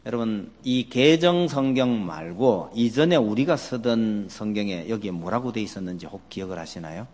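A man's voice: lowish voice, normal speed. A man preaching a sermon as a pastor, animatedly asking his congregation questions. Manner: asks the congregation many questions; animated, acts out quoted voices. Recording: long hall reverb.

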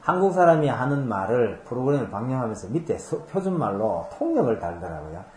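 Speaking at medium pitch, this pastor is very animated, a little fast, and slightly mellow as he delivers a conversational sermon that unpacks scripture with everyday examples and rhetorical questions. The sound is roomy, with a bit of hiss or hum.

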